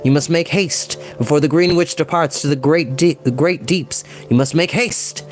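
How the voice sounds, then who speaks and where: A man voicing a deep, ominous possessed oracle that chants spells and warnings slowly and solemnly in an audiobook fantasy story. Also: soft background music, close to an everyday voice. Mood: loud, urgent.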